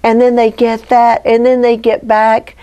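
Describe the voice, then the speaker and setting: A woman's voice: on the high side, monotone, measured pace, dark tone, dull audio. A woman guest on a Christian talk show, speaking earnestly and preacherly. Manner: earnest, preacherly, rising to pleading near the end. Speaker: guest, ministry founder.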